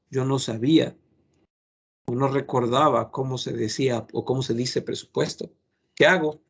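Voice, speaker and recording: A man's voice: medium pitch, vocal fry. A man, a French teacher lecturing his class in an earnest, admonishing way, giving many examples.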